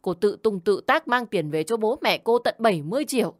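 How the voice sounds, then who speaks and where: Woman putting on a shrill raging mother-in-law. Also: lively intonation, fairly quick, dry recording, clean studio sound, close to an everyday voice. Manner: scolding, wailing and shouting.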